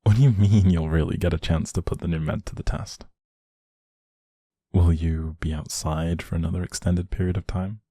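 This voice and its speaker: A man playing a doting, playfully teasing young boyfriend in an intimate one-sided roleplay, speaking affectionately with a soft, husky voice. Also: fairly even intonation, moderate pace, no echo, studio quality. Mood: attentive, gentle. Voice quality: low, soft, husky, creaky.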